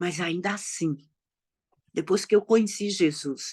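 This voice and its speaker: Talking at a fairly slow pace, the woman shows ordinary pitch variation. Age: 60s. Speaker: church speaker. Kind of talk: sermon.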